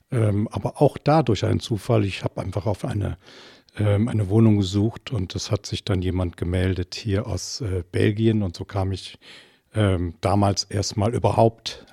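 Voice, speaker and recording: A man's voice: fairly low pitch, vocal fry, warm tone, dry recording, clean studio sound. An older man from the Eifel region, answering interview questions reflectively and hesitantly, with many fillers and restarts. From Germany, Eifel region. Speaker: interview guest, social worker.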